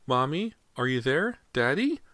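A small, frightened boy acted out by a man begs in a thin, high, plaintive voice. The pitch sits far above an adult male's and swings about as the child pleads, in storybook horror style. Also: big pitch swings, a bit bright, no echo. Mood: frightened pleading. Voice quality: tiny, thin voice. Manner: slow plaintive begging.

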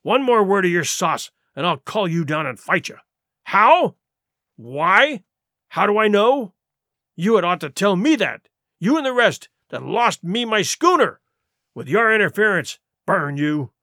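Cunning old pirate cook, put on by a male narrator. Bright, lively, menacing, rough sailor's talk; dry close recording. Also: sits high, measured pace, pauses often, no room sound, exaggerated voice. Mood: angry.

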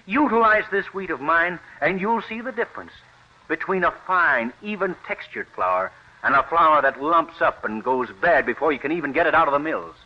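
A man's voice: on the high side, lively intonation, moderate pace. An actor playing an earnest, persuasive wheat farmer pleading his case in an old radio drama. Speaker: plant explorer pitching new wheat. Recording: dull lo-fi old radio recording.

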